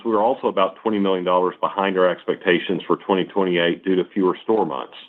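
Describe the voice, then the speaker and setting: Male company executive, middle-aged, deep voice, formal scripted delivery for an earnings call, thin phone-band audio. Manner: formal, measured, enumerating points. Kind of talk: scripted corporate presentation. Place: conference call line. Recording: narrow, tinny phone-line sound.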